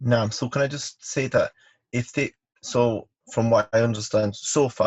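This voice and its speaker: A man speaks with a northern English accent. His pace is moderate. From Manchester, northern England. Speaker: student. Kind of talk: classroom question.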